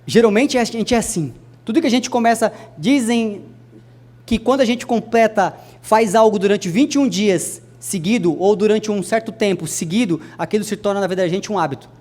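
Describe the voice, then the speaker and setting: A young adult man preaching a sermon to a congregation, speaking to them directly and swinging his voice from soft to loud. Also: normal speed. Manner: addresses the congregation directly, wide swings in pitch and loudness.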